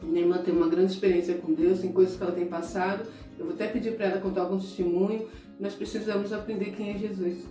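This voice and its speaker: A middle-aged Brazilian woman preaches to her viewers in a direct, conversational way. She is emotional and close to tears at times, and her voice is mellow. The room is echoey, with soft guitar music behind her. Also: mid-range voice, little pitch movement, quick pace, far from the mic. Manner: conversational, addresses listeners directly. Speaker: evangelical preacher. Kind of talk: sermon-style talk to viewers.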